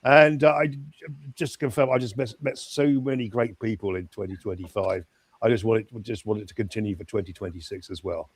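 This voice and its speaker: Older man, upbeat guest, halting speech, dry mic. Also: fairly low pitch, breathy edge, no echo. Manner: hesitant, stammering, upbeat. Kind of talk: casual chat.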